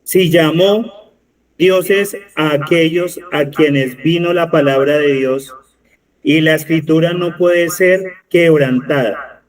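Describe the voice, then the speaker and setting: Man reading scripture slowly and carefully. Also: fairly high pitch, steady tone, rough recording. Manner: careful and measured, corrects himself when reading. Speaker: congregation member reading scripture aloud.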